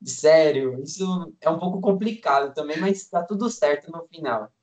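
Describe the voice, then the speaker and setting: A nineteen-year-old language student chats casually on a video call from a room at home, easygoing, enthusiastic, and a bit rambling. His voice is fairly high, animated, and a little mellow, at normal speed. The sound comes through a computer mic.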